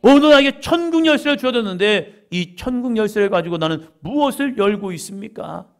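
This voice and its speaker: Emphatic Korean pastor preaching. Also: male voice, high voice, expressive, fairly quick. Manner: emphatic preaching, acting out dialogue with sudden loud rises. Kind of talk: sermon.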